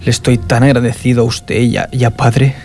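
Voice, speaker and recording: A man acts out a naive, spoiled heir of a noble family. He speaks in a middle-pitched voice with hesitant, stammering politeness. The tone is plaintive and timid, in comedy-drama style. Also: flat delivery, brisk, vocal fry, darkish tone, soft background music, close to an everyday voice. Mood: tearful longing. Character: timid, pampered, gullible aristocratic son, naive and plaintive. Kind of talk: scripted comedy-drama acting.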